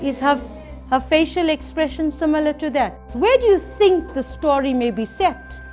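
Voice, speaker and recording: A woman teaching a reading lesson to a class, lively and playful. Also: high voice, normal speed, faint music behind. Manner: lively, switching to a playful storyteller persona.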